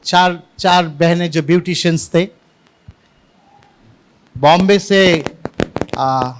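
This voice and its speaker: A man's voice: fairly high pitch, slow pace, slight background noise. A man preaching a Sunday sermon in church, telling anecdotes and mixing in English words. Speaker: pastor. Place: church service.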